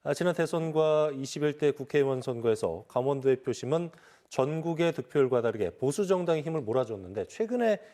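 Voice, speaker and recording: Male studio host, mellow tone, clear announcer-style read, moderates a panel. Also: fairly high pitch, a little fast. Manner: clear, even announcer delivery reading poll results. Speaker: news talk show host.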